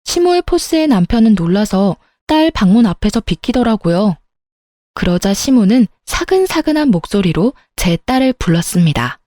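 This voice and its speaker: Mellow, dry-voiced woman narrating a story. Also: fairly high pitch, moderate pace, no room sound. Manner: steady storytelling, reads dialogue aloud.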